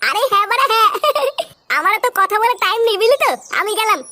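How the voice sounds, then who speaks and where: একজন অভিনেতার করা গালিবাজ কার্টুন যুবক ফুটো, খুব তীক্ষ্ণ চড়া গলা. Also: male voice, very high voice, quick pace, heavily acted. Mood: cocky. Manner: brash, swears constantly, shouts. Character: Futo, a foul-mouthed rowdy young man.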